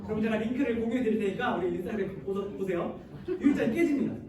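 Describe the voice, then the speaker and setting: A man with a very high voice preaches to teenagers and keeps turning to his listeners with questions. His voice rings through a large, booming church hall and sounds far from the microphone. A faint hiss sits behind him. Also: racing. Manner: addresses the listeners often and asks them questions; leads the congregation in reading scripture aloud. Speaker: youth pastor. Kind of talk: sermon to high school students. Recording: very echoey hall, voice heard from afar, faint noise.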